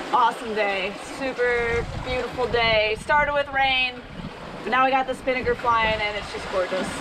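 Over noticeable background noise, a woman with a high-pitched voice talks at a moderate pace with fairly even intonation. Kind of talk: casual vlog chat. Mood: happy, relaxed. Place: boat. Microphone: phone near.

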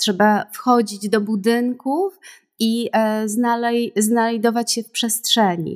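Over a quiet background, a woman with a fairly high pitch speaks very slowly with fairly even intonation. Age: 30s. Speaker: creative writing trainer and theatre professional, business owner; creative writing trainer. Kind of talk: interview conversation. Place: home room. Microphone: earbuds.

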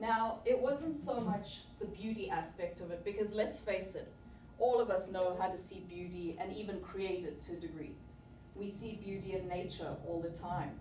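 A woman talks at a moderate pace with ordinary pitch variation. Noticeable background noise runs behind her. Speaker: speaker. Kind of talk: prepared speech. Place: meeting room. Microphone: camera far.

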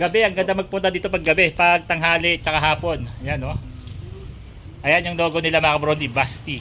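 Here a man talks at a fairly quick pace in a high pitch. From Caloocan, Metro Manila, Philippines. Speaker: vlogger. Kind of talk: casual vlog chat. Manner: animated.

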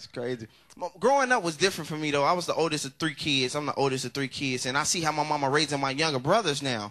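A man's animated, very fast delivery with hardly any pauses, fairly high pitch and ordinary pitch variation. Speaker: stand-up comedian. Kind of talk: stand-up.

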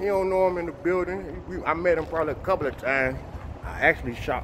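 Through noticeable background noise, a man talks at a fairly quick pace in a high pitch. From Miami-Dade County, Florida; Florida. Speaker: vlogger. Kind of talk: casual live-stream vlog. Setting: outdoors. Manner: animated. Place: tunnel cave. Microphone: phone near.

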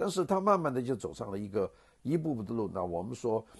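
Against a quiet background, a man's somewhat breathy voice swings very widely in pitch. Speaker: news commentator. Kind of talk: solo news commentary monologue. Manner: halting, frequent filler sounds. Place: home room. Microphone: earbuds.

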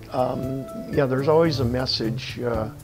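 A man talks while clear music sounds behind him. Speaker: TV repairman and found-object artist. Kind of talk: interview answer. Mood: relaxed, amused. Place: workshop.

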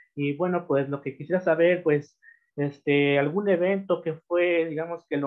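Against a quiet background, a man with an unremarkable speaking voice talks fairly slowly at a fairly high pitch, his intonation fairly even. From Mexico, Hidalgo. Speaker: online interviewer. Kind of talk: interview. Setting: video call. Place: home room. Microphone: video call.

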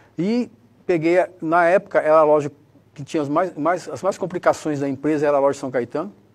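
A man talks at a fairly quick pace with ordinary rises and falls in pitch. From interior of São Paulo state, Brazil. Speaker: retail chain executive. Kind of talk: interview. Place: studio.

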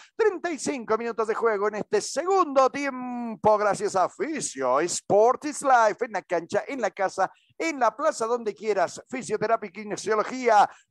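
Lively intonation at a fairly slow pace with hardly any pauses, in a dry, close sound with no echo on a very clean recording with a silent background. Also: man, high pitch for a man. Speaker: football commentator. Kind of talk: live sports commentary.

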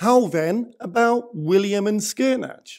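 A put-on character voice, female-sounding and croaky, goes at a fairly slow pace and a medium pitch for a woman.

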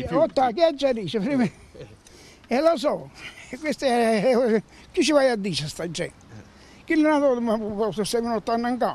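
In a Campanian accent, a man speaks at a moderate pace with long, frequent pauses and lively intonation. His pitch is extremely high, and the sound is dry with no echo. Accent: Campanian dialect (Irpinian). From Avellino, Campania, southern Italy. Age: 80s+. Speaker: retired street vendor. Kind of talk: interview answer. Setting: outdoors. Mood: indignant, complaining about litter. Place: street.

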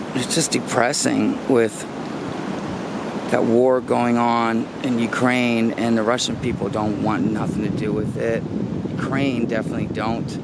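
The speech moves at a fairly slow pace, with a dry sound that has no echo, under loud background noise. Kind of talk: casual vlog chat. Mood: somber, uneasy. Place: forest. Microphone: phone near.

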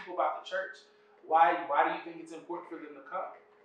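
Audible room echo and light background noise surround a man as he speaks. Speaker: pastor. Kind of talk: sermon. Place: hall.

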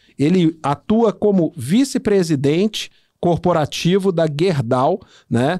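Against a quiet background, a man speaks at a high pitch with a dark, mellow tone and lively intonation. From Minas Gerais, Brazil. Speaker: podcast host. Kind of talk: interview conversation. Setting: studio. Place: studio. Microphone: studio mic.

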